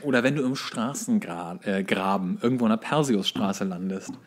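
A man's voice: lowish voice, normal speed. A man co-hosting a casual podcast, joking along in a sarcastic manner. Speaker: podcast co-host. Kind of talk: casual chat.

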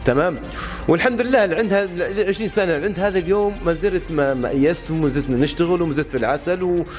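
A Libyan man in his late thirties speaks very quickly, his voice sitting a little high for a man. He answers questions outdoors into a handheld mic, restarting sentences and leaning on fillers. Faint music plays behind him. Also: darkish tone. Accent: Libyan Arabic. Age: late 30s. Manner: halting, many fillers and restarts. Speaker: interviewee, honey trader. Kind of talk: casual interview answers. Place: outdoors by a wall. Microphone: handheld mic held by interviewer.

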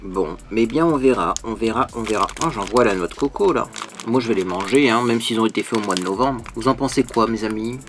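A man's voice: medium pitch, background noise. A man, a beauty youtuber, chatting casually and animatedly while unboxing a parcel, full of fillers.

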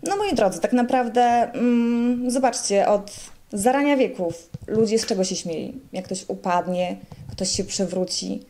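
Woman answering viewer questions, sugary and chatty, mid pitch. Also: a little slow, dark tone, a little hiss or hum. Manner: sweet, addresses viewers as "moi kochani". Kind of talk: casual talk to camera.

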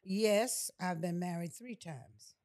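A woman in her sixties from New York City, reflecting in a measured, deliberate way as a podcast guest. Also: on the low side, very noisy. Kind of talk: reflective conversational interview. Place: small furnished podcast studio. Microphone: close boom-arm studio mic with headset.

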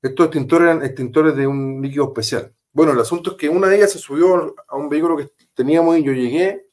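A man's voice: fairly high pitch, quick pace, a little mellow. Emphatic Chilean man recounting a story. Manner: emphatic, repetitive, casual slang. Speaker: interview guest, former police officer.

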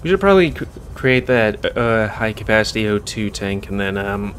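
American man with lively pitch, casual gaming commentary. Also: moderate pace, slight background noise. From United States. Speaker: let's play host. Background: video game music.

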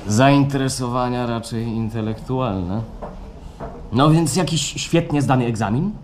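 In a radio play performed live before an audience, a male actor voices a smooth, probing psychologist who is theatrical and coaxing, shifting from soft to excited. His mid-range voice is unhurried and close to everyday speech, and the stage recording has background noise.

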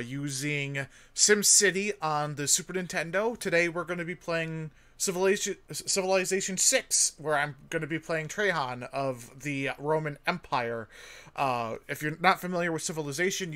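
A man's voice: fairly high pitch, bright, forceful tone, clear, resonant tone. A man co-hosting a podcast while streaming a game, chatty and full of fillers. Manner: chatty, promotional, filler-heavy.

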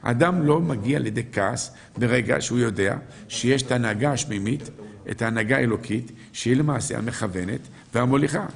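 This male rabbi speaks at a medium pitch with vocal fry. Preaching live, he puts rhetorical questions to the audience, answers them, and cites verses and the sages.

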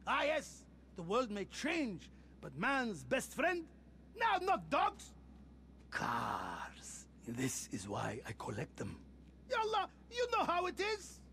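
An actor playing a pompous, jovial, middle-aged rich car collector with an Arab accent and a theatrical manner in a video game. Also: male voice, high voice, gravelly, slight background noise, full character voice. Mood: boastful. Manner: theatrical, grandiose, animated. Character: flamboyant wealthy car collector, male, pompous, jovial, bossy older cousin. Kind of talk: video game cutscene acting.

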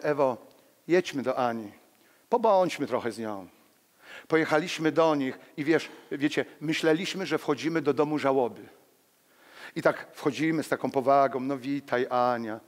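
Animated pastor preaching in a reverberant church. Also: male voice, mid-range voice. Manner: animated, walks among the pews, acts out quotes. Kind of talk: lively sermon with personal stories. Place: church hall. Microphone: headset mic.

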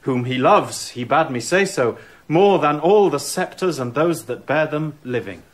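An actor playing a young prince in a radio drama, speaking with formal, measured courtesy. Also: male voice, a little high, lively intonation. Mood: courteous.

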